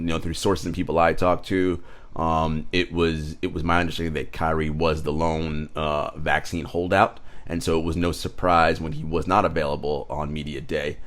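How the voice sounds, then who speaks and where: A man co-hosting a sports podcast and reporting on a basketball team, chatting casually over a remote virtual recording with frequent affirming murmurs and easy laughs. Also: rumbling low.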